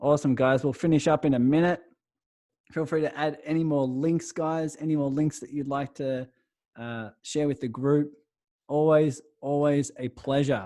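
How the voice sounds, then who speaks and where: Against a quiet background, a man with an Australian accent speaks at a moderate pace, his fairly high pitch carrying a dark, mellow tone and fairly even intonation. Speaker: business networking host and coach. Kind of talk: online networking call. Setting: video call.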